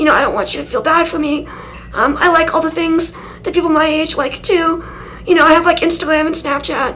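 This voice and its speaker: A woman with an American accent speaks in a breathy voice at an extremely high pitch. Noticeable background noise runs behind her. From Maryland. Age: young. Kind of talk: documentary interview. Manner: sounds young.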